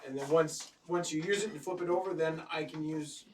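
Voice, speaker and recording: A man's voice: a little high, steady tone, fairly quick. A man running a tabletop game as game master, explaining the rules with dry teasing. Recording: distant mic, faint background noise.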